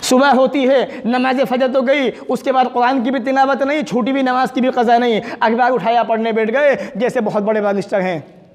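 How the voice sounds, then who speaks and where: A man's voice: very high-pitched, steady tone, normal speed. A man giving a fervent sermon, asking rhetorical questions and reciting Arabic passages. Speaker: preacher. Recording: long hall reverb.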